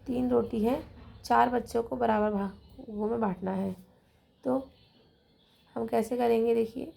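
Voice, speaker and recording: A woman teaching a children's math lesson, who explains slowly and patiently, counts items out loud and keeps checking in with her pupils, with a Hindi accent of Rajasthan. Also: on the high side, steady tone, vocal fry, slightly rough.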